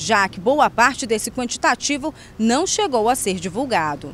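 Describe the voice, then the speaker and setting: In a high voice with lively intonation, a woman speaks at a moderate pace, the sound dry with no echo and light background noise behind her. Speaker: TV news reporter. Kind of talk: news report stand-up. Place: street. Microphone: handheld.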